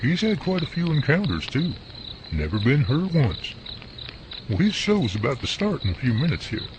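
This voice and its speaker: A man playing an easygoing, animated camper. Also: medium pitch, normal speed, noisy background, lightly acted. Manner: polite, easygoing. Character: friendly helpful male camper. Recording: night crickets behind.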